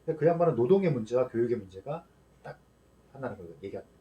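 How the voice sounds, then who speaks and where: A man on a casual discussion panel, explaining his views in a measured way. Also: medium pitch, animated, highs cut off.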